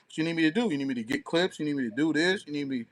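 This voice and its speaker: The American co-host races along, animated, his voice a little high. His podcast chatter is casual, profane and slang-heavy, peppered with tag phrases.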